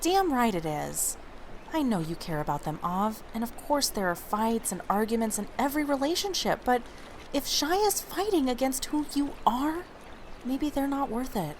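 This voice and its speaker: A woman's voice: on the high side, sing-song, normal speed, slight background noise. A woman playing a feisty, blunt young woman, a protective best friend with a casual, sassy way of talking, in an audio drama. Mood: protective, indignant.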